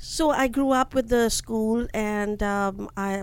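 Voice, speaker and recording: A woman speaks with an Indian accent and ordinary pitch variation. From India, New Delhi. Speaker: tech company founder and CEO. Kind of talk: interview.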